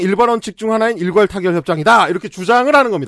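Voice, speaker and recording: A man with lively intonation, in a dry, close sound with no echo. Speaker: fact-checking commentator. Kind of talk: podcast political commentary. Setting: studio.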